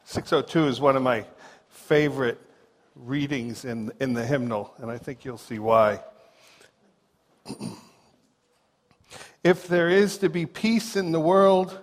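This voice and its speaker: A man from New Hampshire, a pastor who gives a chatty sermon full of personal stories, and he slows down to read quotations. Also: medium pitch. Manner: conversational and joking, reads quotes slowly. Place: large church sanctuary. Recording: long reverb of a big hall.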